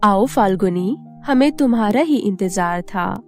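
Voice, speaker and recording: A woman's voice: mid-range voice, lively intonation, a little slow, soft background music. A woman voicing a solemn, kindly queen mother of the fairies, earnest and stately, in a cartoon storybook. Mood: welcoming.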